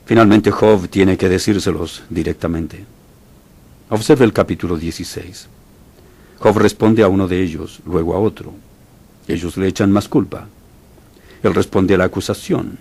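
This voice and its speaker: Male preacher, very low voice with a husky edge, emphatic sermon delivery. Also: darkish tone. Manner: emphatic, with sudden rises in pitch and volume.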